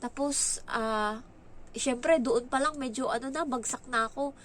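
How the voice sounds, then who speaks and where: A woman's voice: sits high, a little slow, a bit bright, a little hiss or hum. A young woman with a Filipino accent telling a story in casual vlog chat. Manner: chatty, acts out quoted lines in a raised voice. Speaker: vlogger.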